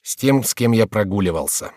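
A man voicing a rash young nobleman with a sardonic, brisk manner, in an audiobook reading. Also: fairly low pitch, animated, dark tone, no room sound, clean studio sound, natural voice. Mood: wry.

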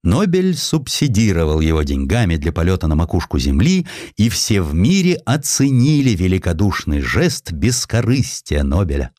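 A man reading a historical sketch as an audiobook narrator, in an expressive, dramatized storytelling manner with deliberate phrasing. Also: sits low, no room sound, studio quality.

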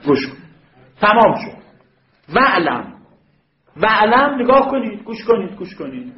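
High-voiced male teacher in an echoey room. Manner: lively, checks understanding with rhetorical questions. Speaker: Arabic grammar teacher. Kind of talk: classroom lecture. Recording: echoey, dull lo-fi room recording.

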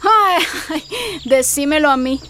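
A woman's voice: high voice, expressive, unhurried, pushed and bright, a little hiss or hum, heavily acted. An actress playing a grateful, chatty woman back from working abroad, in a radio drama.

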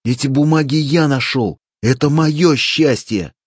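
A man voicing a greedy, fat male street photographer who screams in a shrill, frantic way in an audiobook. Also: unhurried, a little mellow, husky, no echo. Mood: furious.

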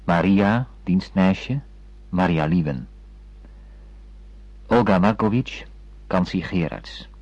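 A male radio announcer with a deep voice reads credits formally and very slowly. The sound is dry and close, with a dull, lo-fi radio quality. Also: animated, darkish tone, dry recording. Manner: measured, formal.

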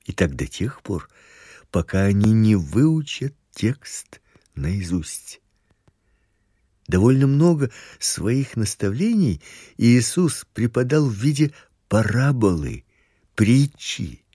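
A man giving a scripted Christian lecture in a slow, measured reading voice. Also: warm tone, husky, no room sound, studio quality. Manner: slow, measured reading with wide pitch swings. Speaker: Christian teacher.

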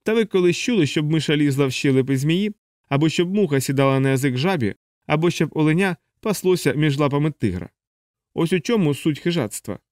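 A fussy alien helper lectures in a raised, lively voice, piling up explanations in an audiobook reading, as a male narrator puts him on. The sound is close and dry, with no room around it. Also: fairly high pitch, a little fast, no room sound, pitched above the performer's own voice, close to an everyday voice. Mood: lecturing. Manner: didactic, explaining at length. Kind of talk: audiobook character voice.

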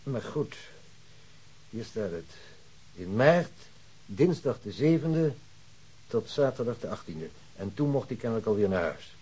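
An actor playing a self-assured hospital doctor in a Dutch radio drama, explaining things in a measured, pedantic way. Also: male voice, fairly low pitch, expressive, warm tone, breathy edge, poor audio. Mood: mildly irritated.

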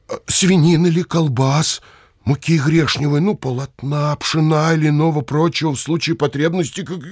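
An actor playing a timid young village blacksmith in an audio play, halting, humble and coaxing. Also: male voice, a little high, a little mellow, slightly rough, dry recording, studio quality.

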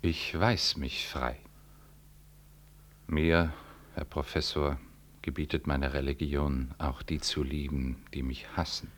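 An actor playing a solemn, courteous but unyielding Catholic priest in a 1960s radio play, speaking formally and deliberately with weighty pauses. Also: male voice, a bass voice, little pitch movement, full character voice. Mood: gently unyielding.

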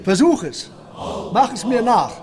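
An actor playing a gentle, wise old Muslim man in a radio drama, speaking in a slow, contemplative and tender way. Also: very high voice, sing-song, a crowd in the background, full character voice. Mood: rapt, encouraging. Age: older.

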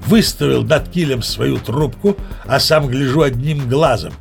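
Give this audio play an old sea captain, with a creaky, gravelly mid-pitched voice. He is chatty and pleased with himself, telling tall tales straight to his listener over faint music. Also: measured pace. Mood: boastful storytelling. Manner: chatty, self-satisfied storyteller addressing the listener. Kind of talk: audio play storytelling monologue.

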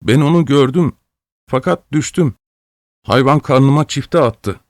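A man voicing a tearful, injured orphan apprentice boy who pleads in a high, thin voice. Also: brisk, a little mellow, clear, resonant tone, no room sound, studio quality, close to an everyday voice. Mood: defiant. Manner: pleading, whiny, high-pitched.

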